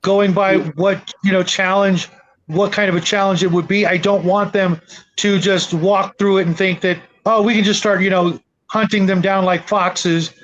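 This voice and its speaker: A man talking casually in a group discussion, halting a little as he thinks aloud. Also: high-pitched, fairly even intonation, a bit bright, lo-fi sound. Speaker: panelist leading a tabletop gaming discussion.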